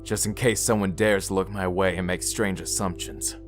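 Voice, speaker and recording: A man's voice: deep voice, steady tone, moderate pace, lightly acted. Man acting grumbling young prince, wry. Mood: wry banter. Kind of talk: fan audio drama acting. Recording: music playing behind. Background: music.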